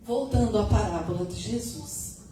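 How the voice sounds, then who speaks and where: A middle-aged woman giving a conversational spiritist lecture, her voice still a little hoarse. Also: mid-range voice, lively intonation, moderate pace, warm tone, far from the mic. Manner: conversational, adds tag questions. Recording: echoey room, recorded from afar, noisy.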